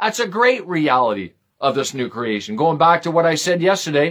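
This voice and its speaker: A man speaks at a moderate pace with a high voice. The recording is very clean, with a silent background. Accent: Canadian. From Canada. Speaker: online bible teacher. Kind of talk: sermon. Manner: casual, repetitive.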